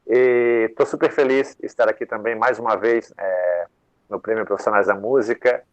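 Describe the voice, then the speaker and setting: A man's voice: fairly low pitch, fairly even intonation, normal speed, no echo, muffled recording. A man, a songwriter, talking loosely about his work as a guest on a live panel, with lots of fillers. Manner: rambling, many fillers, conversational. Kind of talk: casual interview talk.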